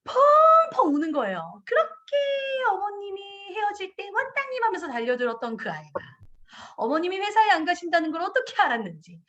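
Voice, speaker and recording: A middle-aged woman, a kindergarten director, speaks to parents in a parenting lecture. Her voice sits high and swings widely up and down. She brings the talk to life by acting out children and parents in quoted voices. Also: wildly swooping pitch, brisk, sharp tone.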